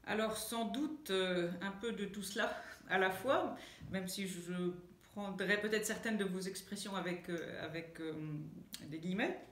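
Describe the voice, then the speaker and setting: French woman author, interview guest, halting answers full of fillers, roomy echo. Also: mid-range voice. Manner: hesitant, many fillers and restarts. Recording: echoey room.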